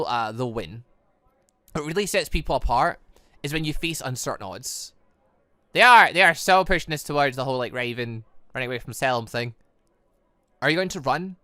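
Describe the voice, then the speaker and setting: Animated bright-voiced man, gaming commentary. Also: fairly high pitch, no room sound. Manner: stumbles over words and corrects himself. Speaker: gaming channel host. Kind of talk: visual novel read-aloud with off-the-cuff commentary.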